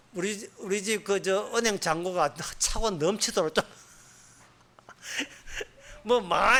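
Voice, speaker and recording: A man's voice: high-pitched, bright, forceful tone. A male pastor with a Gyeongsang accent preaching a sermon in a colloquial way, full of rhetorical questions. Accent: Gyeongsang Korean.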